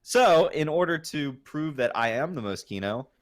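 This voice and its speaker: A man's voice: fairly high pitch, animated, moderate pace. Swearing, boastful male podcast co-host. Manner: boastful, swears, stumbles over words. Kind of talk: casual podcast chat.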